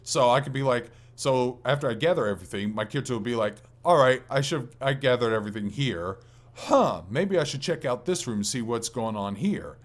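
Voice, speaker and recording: A man's voice: medium pitch, animated, fairly quick. A man co-hosting a casual gaming podcast, speaking in an informal, rambling, enthusiastic way. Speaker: podcast co-host.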